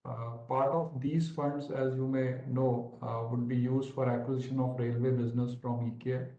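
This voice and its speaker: Mellow Indian man, formal presenter, roomy sound. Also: medium pitch, level tone. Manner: formal, measured, orderly. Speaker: corporate finance executive presenting results. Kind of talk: prepared earnings call presentation. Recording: roomy, dull conference call audio.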